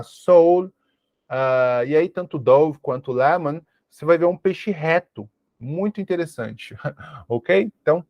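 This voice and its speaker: A man's voice: a little high, no echo. A Brazilian man teaching English online in a patient way, repeating each word and checking in with "alright?". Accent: Brazilian Portuguese. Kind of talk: online lesson, repeating words slowly.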